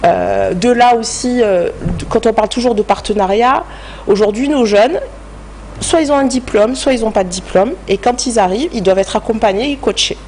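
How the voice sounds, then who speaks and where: A woman's voice: on the high side, normal speed, darkish tone, slight background noise. A woman from France with a French accent, answering as an expert guest in a studio interview in a structured, explanatory way. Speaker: guest expert, human resources director.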